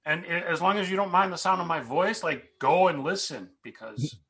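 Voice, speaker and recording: Guy cohosting a podcast, kinda high bright voice, rambly and jokey. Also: normal speed, rough recording. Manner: rambling, self-deprecating, upbeat sign-off. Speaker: podcast co-host. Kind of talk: casual podcast chat.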